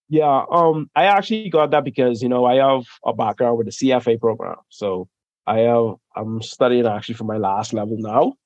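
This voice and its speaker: A young man from the Bahamas, a podcast guest chatting casually, who laughs often and trails off softly at the ends of his sentences. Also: medium pitch, no echo, lo-fi sound. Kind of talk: casual interview chat.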